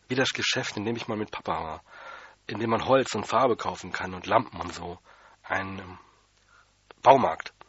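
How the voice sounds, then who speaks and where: A man reads a children's story aloud in the first person, keeping his delivery plain and childlike. His voice is husky with a bright, forward edge and sits fairly low. The recording sounds dull and lo-fi, close and dry. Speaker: audiobook reader.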